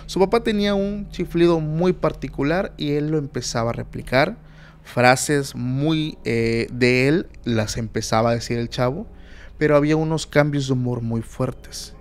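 A man's voice: a little high, normal speed, clean tone. A man with a Mexican accent, a podcast guest telling an eerie story in a casual, emphatic way with many fillers.

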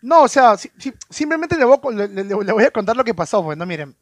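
A man's voice: high-pitched, big pitch swings, fast, dry recording. A man telling a story casually on a live stream, stammering and repeating words as he goes.

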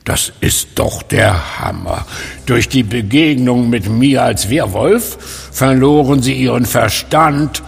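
An actor playing a sadistic werewolf clinic director in a horror audio drama, with a gravelly voice and a theatrical, mockingly polite manner. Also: male voice, medium pitch, big pitch swings, takes it slowly, exaggerated voice. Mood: gloating.

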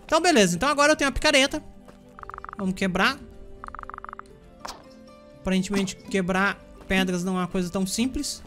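Chatty Brazilian gaming commentator. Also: male voice, high voice, brisk, pauses often, over music. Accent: Brazilian Portuguese. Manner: chatty, addresses viewers, yelps when playing. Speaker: gaming YouTuber. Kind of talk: let's play commentary.

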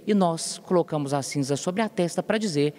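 A man's voice: a little high, a little fast, a little mellow. A man in his thirties with a Brazilian Portuguese accent, a parish priest explaining with preacherly emphasis, speaking into a handheld mic inside a church. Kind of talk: explanatory interview answer. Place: church interior. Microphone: handheld reporter mic. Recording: long church reverb.

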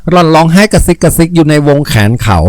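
A man reading a novel aloud in calm, measured narration. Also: a little high, no room sound. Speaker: audiobook narrator. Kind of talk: scripted narration.

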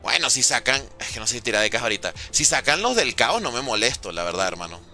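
A young man with a Venezuelan accent softened by years in Mexico, casually chatting with viewers and answering their comments while he plays. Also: mid-range voice, sing-song, quick pace, soft background music. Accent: Venezuelan Spanish softened by years in Mexico. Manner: chatty, slangy, answers viewers' chat aloud. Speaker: gaming streamer. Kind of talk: casual live-stream chat while gaming.

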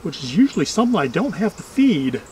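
High-pitched middle-aged man, casual outdoor chatter. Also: big pitch swings, fast, darkish tone, slight background noise. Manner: chatty, dryly humorous. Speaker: beekeeper and vlog host. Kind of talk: casual running commentary while working. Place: outdoors among trees at beehives.

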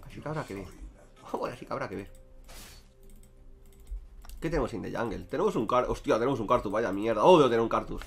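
Lively, fast-talking streamer guy. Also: medium pitch, gravelly. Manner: crude, joking, talks to chat. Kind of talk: casual gameplay commentary.

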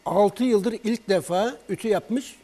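In a high voice and at a measured pace, a man relates a patient story as part of a health talk on a broadcast. The herbal remedy expert brings it to life by performing both sides of the exchange.

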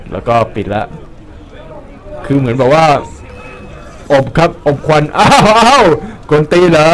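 A young man giving casual, joking commentary over his gameplay, excitable and swearing at enemies. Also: on the high side. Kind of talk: casual Let's Play commentary.

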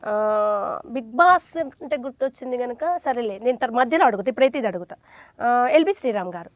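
High-voiced woman interviewer. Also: animated, fairly quick, dry recording. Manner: calls out names, playful. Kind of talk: casual interview.

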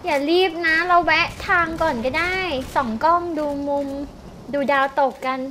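A woman gaming with a friend in casual chat, excitable and often squealing. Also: high-pitched, moderate pace. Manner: excitable, squealing and shrieking at shocks. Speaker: gamer streamer. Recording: noisy game audio behind. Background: gunfire and game sounds.

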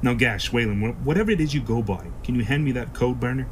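A man's voice: medium pitch, fast, natural voice. Man playing sardonic black-market boss over noisy ambience. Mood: businesslike. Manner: sarcastic, swearing. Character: foul-mouthed, sly black-market shop boss, grimly pragmatic. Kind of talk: science-fiction audio drama acting.

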